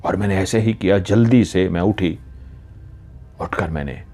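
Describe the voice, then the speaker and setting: Male horror narrator, lowish voice; measured, dramatic storytelling that drops to hushed tones for suspense. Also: soft background music. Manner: measured, hushing to near whispers in tense moments.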